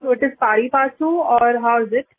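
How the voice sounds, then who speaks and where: A woman with an Indian accent asks analyst questions over a narrow telephone line. Her voice sits fairly high. She feels her way through each question haltingly, repeating phrases as she probes. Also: no echo. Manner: halting, repetitive, probing. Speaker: analyst asking questions on an earnings call. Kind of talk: question-and-answer on a conference call. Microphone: telephone conference call. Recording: tinny narrow phone line.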